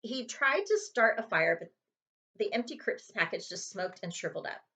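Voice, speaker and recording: A woman reading a children's chapter book aloud as an expressive storyteller, like a librarian at story time. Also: medium pitch, normal speed. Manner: expressive storytelling with character voices.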